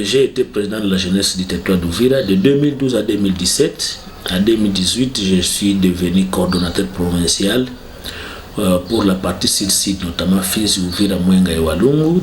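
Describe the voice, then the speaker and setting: A man with a Congolese French accent and a very low voice answers interview questions as a politician. He speaks in a formal, measured way. The room is echoey, with a faint hiss of noise behind him. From South Kivu, Congo. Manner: formal, measured self-presentation. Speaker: politician, guest.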